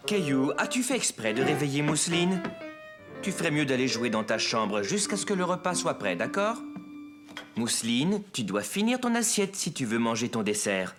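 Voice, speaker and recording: A man voicing a gentle, patient father of small children in a cartoon, kindly and explaining things expressively. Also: mid-range voice, very animated, normal speed, music in the background, natural voice. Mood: gently firm.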